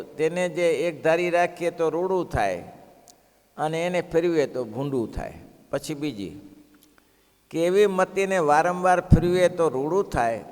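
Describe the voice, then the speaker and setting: A man giving a devotional sermon, telling stories expressively and asking the listeners rhetorical questions. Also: a little high. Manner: expressive, rhetorical questions, acts out quoted villagers. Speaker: religious discourse speaker. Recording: long hall reverb.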